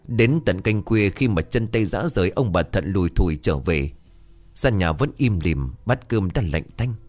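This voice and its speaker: A low-voiced man narrates a dark village tale with a lively, sweeping pitch. Faint music plays under his voice. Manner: expressive, swooping delivery. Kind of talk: dramatic storytelling narration.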